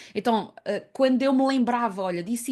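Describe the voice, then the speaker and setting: Over a quiet background, a woman with a high pitch speaks at a moderate pace with lively intonation. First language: French (speaking Portuguese). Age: 50s. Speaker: podcaster and therapist. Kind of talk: conference talk. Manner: hesitant, many fillers.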